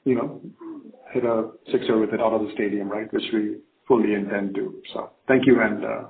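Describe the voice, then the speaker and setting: A man's voice: on the low side, fairly even intonation, fairly quick, gravelly. Male company executive, confident and emphatic, spontaneous Q&A delivery over a narrow telephone conference line. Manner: confident, emphatic, often ends phrases with "right?". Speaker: company executive answering analyst questions. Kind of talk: earnings call Q&A, spontaneous business talk.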